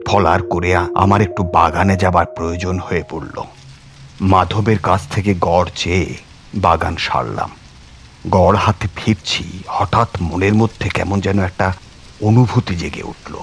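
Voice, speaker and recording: A man with a low voice narrates a scripted horror tale. His delivery is dramatic audiobook storytelling, set over faint background music.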